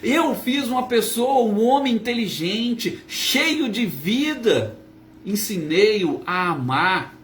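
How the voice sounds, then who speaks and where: A man's voice: sits high, slight background noise. A man voicing a desperate, bitter grieving mother spirit in pleading, accusing outbursts. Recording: roomy echo, faint ambience.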